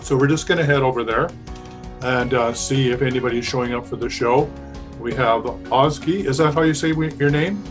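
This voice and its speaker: A man hosting a live call-in show, speaking calmly and with conviction. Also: medium pitch, normal speed, faint music behind. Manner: calm, talks about curses and spiritual healing with conviction. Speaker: host.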